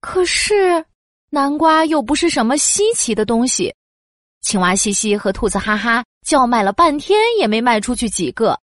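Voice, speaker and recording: A woman narrating a children's story in an expressive storytelling tone. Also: fairly high pitch, normal speed, dry recording, clean studio sound.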